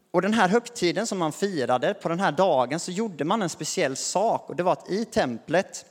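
A man preaching a sermon in a relaxed, conversational way with light chuckles, recorded in a church hall. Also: a little high. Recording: long hall reverb.

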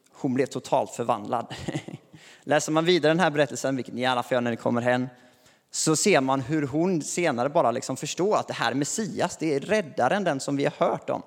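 A man preaching a sermon in a relaxed, conversational way with light chuckles, recorded in a church hall. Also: medium pitch. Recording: long hall reverb.

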